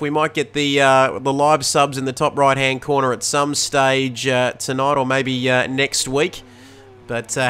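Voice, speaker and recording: A man commentating a sim racing stream, excitable and chatty, his voice going hoarse after the flu. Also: mid-range voice. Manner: excitable, chatty, many fillers. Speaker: race commentator.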